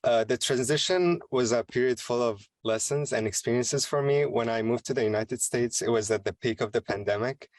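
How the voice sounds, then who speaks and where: A young man from Syria, a student fellow, giving prepared personal remarks in a measured way. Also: medium pitch, no echo. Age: young adult.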